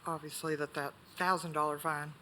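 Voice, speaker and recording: A woman's voice: deep voice, flat delivery, fairly quick, noisy background. Curt, defensive woman business owner. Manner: curt, defensive short answers. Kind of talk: answering questions at a hearing. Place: county board meeting room.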